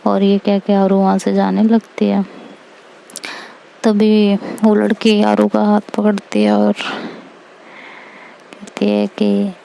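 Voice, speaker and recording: A woman storyteller narrating an audio love story in an unhurried, intimate manner. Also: mid-range voice, monotone, vocal fry, warm tone, low-quality recording.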